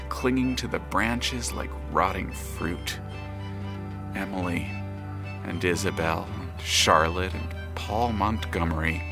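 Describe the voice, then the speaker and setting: Male narrator, deepish voice, unhurried pace, dramatic scripted storytelling, audio drama.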